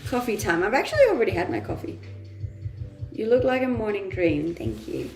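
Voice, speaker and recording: Woman from Denmark, casual livestream host, lots of vocal fry, roomy echo, faint music under her. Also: mid-range voice, expressive, brisk. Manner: laughs often, chatty and self-amused. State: blocked nose from blowing it a lot. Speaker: livestreamer reading chat. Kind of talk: casual morning livestream chat.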